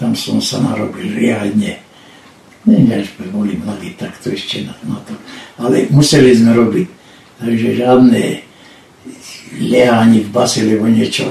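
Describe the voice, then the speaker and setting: A man's medium-pitched voice at a fairly slow pace, with long, frequent pauses, ordinary pitch variation and big swings in loudness, plus audible room echo and noticeable background noise. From Bratislava, Slovakia. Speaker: war and persecution witness. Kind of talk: testimony.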